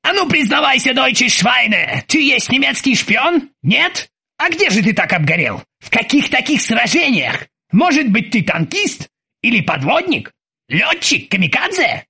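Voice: medium pitch, very animated, moderate pace, creaky, bright, forceful tone, husky, voice pushed up, heavily acted. A reader putting on a barking mock-German captain. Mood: bossy interrogating. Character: blustering ship captain faking a German accent. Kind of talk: audiobook character voice.

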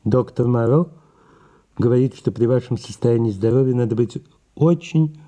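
A man's voice: mid-range voice, normal speed, dark tone, natural voice. A man playing a fussy, pedantic male secretary in an audio drama who keeps lecturing about health. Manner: lecturing, prim and officious.

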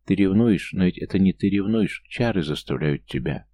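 A man reading an audiobook voices an anxious, earnest young woman in a soft, pleading way. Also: deep voice, lively intonation, moderate pace.

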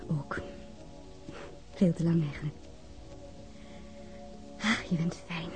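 An actress playing a gently teasing, intimate woman in a radio drama, speaking in a soft, understated way. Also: fairly low pitch, takes it slowly, over music. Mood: tender, hushed.

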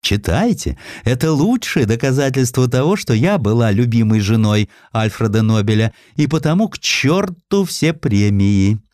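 A man's voice: mid-range voice, animated, moderate pace, hardly any pauses, a little mellow, dry recording, studio quality, voice pushed up, close to an everyday voice. A man voicing an indignant, grasping woman who demands her lover's inheritance. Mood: indignant, defiant.

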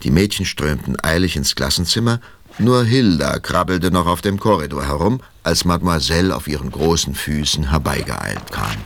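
A man narrating a children's radio play with expressive storytelling. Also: extremely low pitch, moderate pace, creaky, no room sound.

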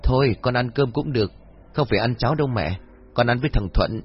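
A man's voice: mid-range voice, brisk, slight background noise, lightly acted. Man doing a jumpy, frightened young villager. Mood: nervous. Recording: dull lo-fi audio with faint music.

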